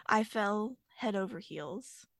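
A woman's voice: medium pitch, animated, slow, dry recording, studio quality. A young woman co-hosting a podcast over a video call, chatting casually and laughing often. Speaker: podcast co-host. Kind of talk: casual chat.

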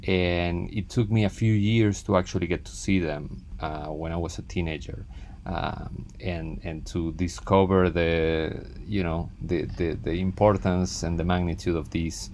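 A film director born in Spain and raised in Argentina, talking casually as a guest with many restarts and fillers. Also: male voice, low voice, steady tone, a little slow, a little mellow, slight background noise. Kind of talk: casual interview talk.

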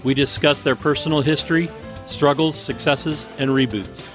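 A man's voice: on the high side, fairly even intonation, normal speed, over music. A man from Northern California hosting an off-road interview podcast, reading his intro and ads, then chatting with his guest. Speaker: podcast host.

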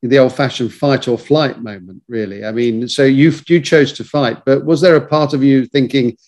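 A man's voice: mid-range voice, normal speed, darkish tone. Male host, interview questions, hesitant, repeats himself. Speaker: podcast host.

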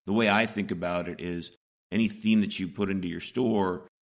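Man, hoarse, raspy, very deep voice, podcast host, practical explainer, home booth. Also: steady tone, moderate pace. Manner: plain, practical, step-by-step explaining. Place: small home recording booth in a converted garage.

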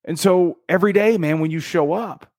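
A man giving casual, energetic motivational commentary on a book, punching out single words and counting beats for effect, with slang like "dude". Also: high-pitched, normal speed, no echo, clean studio sound. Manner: energetic and emphatic, with dramatic counting and punchy one-word beats. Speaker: book summary host.

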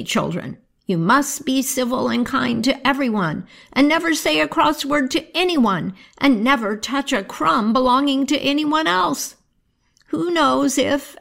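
A woman's voice: high voice, creaky, a bit bright, voice pushed up, heavily acted. A woman voicing a kind, tearful old grandmother in a storybook reading. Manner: pitying, raised and tender.

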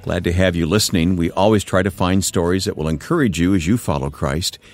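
Deep-voiced man hosting a radio interview. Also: fairly quick, a little mellow, soft background music. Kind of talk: scripted radio introduction and interview.

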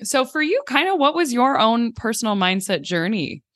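A woman hosting a podcast interview, chatty and self-deprecating with quick asides. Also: on the high side, very animated, fairly bright tone, no echo, clean studio sound. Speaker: podcast host.

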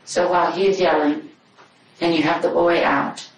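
A woman police detective questioning a suspect calmly, repeating his answers back to probe further. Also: lowish voice, moderate pace, a little hiss or hum. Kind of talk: interrogation questioning. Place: interrogation room. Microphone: far room camera. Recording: echoey room from a distant camera.

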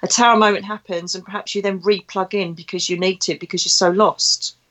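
A woman's voice: mid-range voice, fairly even intonation, a little fast, a bit bright. A woman with an Essex accent speaking as a podcast host in a conversational, emphatic spiritual monologue. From Essex, England. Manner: chatty and emphatic, with rhetorical questions. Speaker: podcast host and psychic medium.

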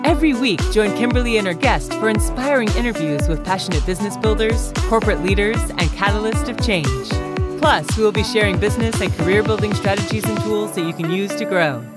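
A woman's voice: medium pitch, fairly quick, over loud music. A woman reading a polished, upbeat scripted podcast introduction. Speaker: announcer.

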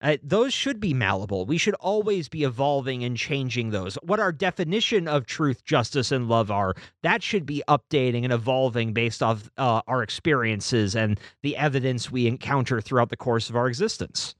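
Animated male podcast co-host. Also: medium pitch, moderate pace, hardly any pauses, no room sound, clean studio sound. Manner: lively, animated delivery with restarts. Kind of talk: casual book-club chat and reading aloud.

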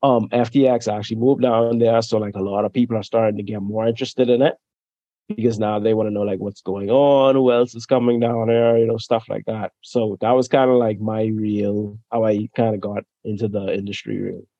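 Young man from the Bahamas, mellow voice, laid-back, dull dry sound. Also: fairly low pitch, brisk, no echo. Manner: relaxed, laughs often, trails off softly. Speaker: guest. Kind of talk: casual interview chat.

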